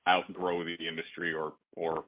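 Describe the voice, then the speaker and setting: A man's voice: low voice, level tone, normal speed. A man speaking as a financial analyst on a conference call, phrasing his questions tentatively. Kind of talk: asking questions on earnings call. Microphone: conference call line. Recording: dull conference call line.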